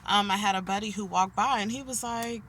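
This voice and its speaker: Brief: forties woman vlogging from her car, ringing bright tone, chatty and fed-up. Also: medium pitch, fast, slight background noise. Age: 40s. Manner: chatty venting, keeps addressing viewers as "guys". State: annoyed. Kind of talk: casual vlog chat. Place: inside a parked car.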